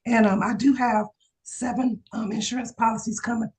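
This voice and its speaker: A hoarse woman insurance agent sharing her news in an excited, chatty way on a video call. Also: a little high, normal speed. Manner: excited, testimonial chat with laughs. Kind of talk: casual video call chat.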